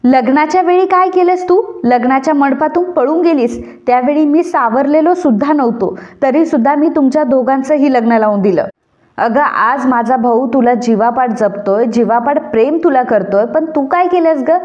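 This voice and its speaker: A woman's voice: high voice, normal speed, darkish tone, close to an everyday voice. A woman voicing a stern elder brother who scolds with reproachful questions. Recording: dull lo-fi recording.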